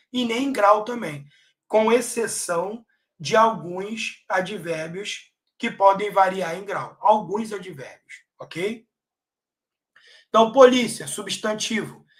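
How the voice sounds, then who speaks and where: A man with a high voice teaches an online grammar lesson in Brazilian Portuguese to prepare students for an exam, loudly stressing key words and frequently checking in with his class.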